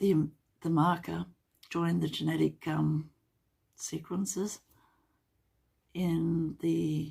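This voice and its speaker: A woman talks with an Australian accent. The recording is very clean with a silent background. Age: 70s. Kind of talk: casual podcast talk.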